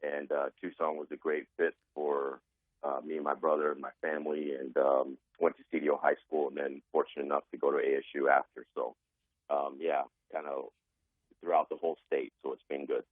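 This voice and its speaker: Raspy, very deep man on a phone line. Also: level tone, no room sound. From Arizona. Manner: measured, earnest, many fillers. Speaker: guest, athletic director. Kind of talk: phone interview.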